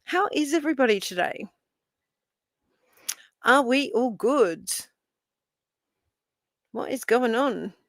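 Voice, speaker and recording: Sarcastic woman streamer, slow and mocking. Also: a little high, lively intonation, fairly bright tone, no echo, clean studio sound. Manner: sarcastic, mocking, theatrical gasps. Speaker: live stream host. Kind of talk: casual live stream chat.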